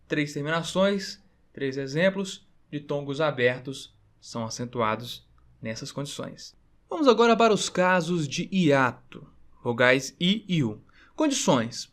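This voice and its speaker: A man teaching grammar rules over slides, slow and deliberate, stressing key words and repeating word endings. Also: fairly high pitch. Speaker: Portuguese teacher.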